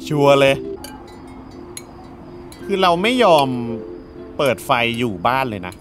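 A man's voice: mid-range voice, big pitch swings, slow, faint music behind. A man playing through a video game, joking around and reading the dialogue aloud as he goes. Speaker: gaming YouTuber. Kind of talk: let's play commentary.

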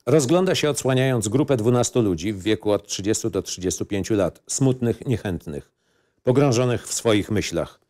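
Low-voiced man narrating a screenplay. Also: lively intonation, normal speed, a little mellow. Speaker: narrator reading stage directions.

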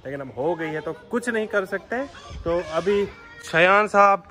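A man's voice: high-pitched, lively intonation, unhurried, pushed and bright, soft background music. A man vlogging casually outdoors, playfully teasing and coaxing children as he chats to the camera. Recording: noisy outdoor camera audio.

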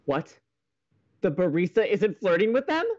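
A man's voice: high-pitched, very animated, normal speed, a little mellow, muffled recording. Man acting as dramatic, swoopy-voiced young radio co-host. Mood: dramatic, indignant. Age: young adult. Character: dramatic, moody young college radio co-host, a hopeless romantic. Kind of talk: naturalistic romantic comedy podcast acting.

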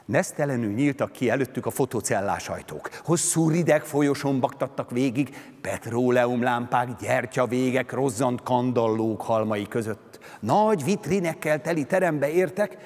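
A man giving a dramatic literary reading of a story, with expressive, sweeping intonation, on a concert hall stage. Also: mid-range voice, few pauses. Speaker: reciting actor.

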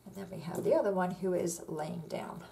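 A woman's voice: fairly low pitch, a little fast, vocal fry, slight background noise. A woman hosting a card-making tutorial, chatting casually as she walks through each step. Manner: chatty, relaxed, step-by-step instructions with fillers. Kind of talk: casual crafting demonstration. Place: indoors at a craft table. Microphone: overhead camera on the tabletop, hands only.

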